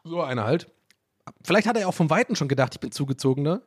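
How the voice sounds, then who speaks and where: A man from a German village, telling a story in a casual monologue, animated, self-mocking and rambling. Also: on the high side, fast talker, breathy edge, no room sound, clean studio sound.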